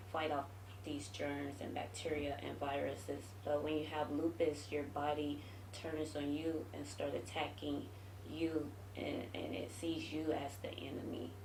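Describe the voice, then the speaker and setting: Very deep, low-pitched woman with a slight St. Louis accent, very wide pitch swings and a fairly slow pace, in audible room echo with noticeable background noise. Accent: slight St. Louis Midwest. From San Diego, California, born in St. Louis, Missouri. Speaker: lupus patient advocate. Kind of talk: radio interview.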